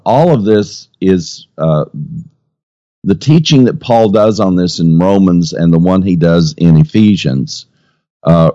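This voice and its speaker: A man with a lowish, creaky voice teaches scripture in a TV preacher's cadence. He leans on repetition and pointed rhetorical questions, and the sound is close and a little dull. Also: mellow, no echo. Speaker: Bible teacher and co-host. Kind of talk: conversational Bible teaching with a preacher's delivery.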